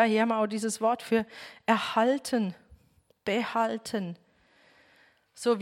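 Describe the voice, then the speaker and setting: A woman's voice: a little high, big-room sound. A woman teaching a home bible group, speaking earnestly and addressing her listeners directly.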